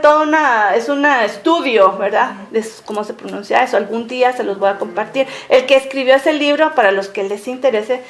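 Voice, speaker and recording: A woman teaching a casual Bible study group, chatty and lively, often laughing between her points. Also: high-pitched. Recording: echoey room recording.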